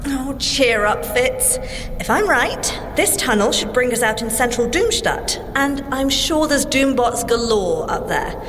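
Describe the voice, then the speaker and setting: An actress playing a brisk, cheerful, sensible young female secret agent scientist with a British accent and a dry, precise, teasing manner in an audio drama. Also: sits high, expressive, fairly bright tone, a little hiss or hum. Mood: encouraging, teasing. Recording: music under the voice.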